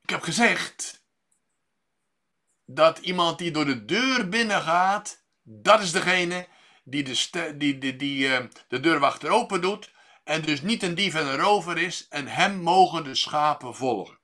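A man preaching a sermon, measured and pausing often with fillers and restarts, lifting his voice on key words. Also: fairly high pitch, lively intonation, sharp tone.

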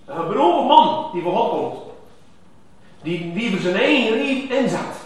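A man delivers a sermon, high-voiced and emphatic. His pitch swings widely as he presses his points. He sounds distant in a very echoey hall. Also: moderate pace. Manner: animated, emphatic preaching with rising exclamations. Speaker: preacher. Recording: echoey church hall from far off.

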